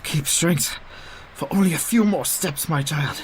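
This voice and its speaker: An actor playing a learned elderly professor who hunts a vampire, speaking in a formal, lecturing, old-fashioned way in a radio play. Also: male voice, a little high, measured pace, lightly acted. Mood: grave, lecturing. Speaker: mentor leading the hunters. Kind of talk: community radio play acting.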